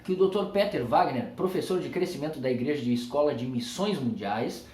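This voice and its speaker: A man's voice: mid-range voice, expressive, a little fast, darkish tone, echoey room. A Brazilian man with a Brazilian Portuguese accent, a Christian speaker giving an earnest, emphatic tribute talk to camera in a preacher's repeating cadence.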